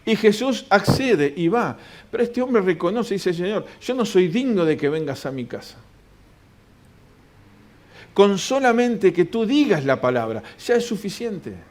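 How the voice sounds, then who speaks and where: A man's voice: sits high, big pitch swings, a little slow. Man preaching a sermon. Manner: reads scripture aloud, asks and answers his own questions. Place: church.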